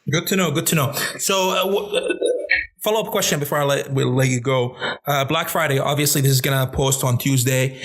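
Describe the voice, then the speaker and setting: A man with an Arab accent co-hosting a podcast in an easy, joking way. He plugs links and asks listeners for reviews in a relaxed, chatty tone. His voice sits at an ordinary pitch. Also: a little fast. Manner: relaxed, joking, promotes the show. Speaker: podcast co-host. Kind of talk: casual podcast chat.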